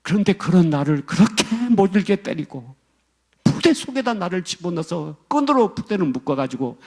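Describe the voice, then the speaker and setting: A man's voice: mid-range voice, normal speed, dark tone, breathy edge. A man voicing a grown man who cries out to his father, wailing and pleading with reproach. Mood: anguished.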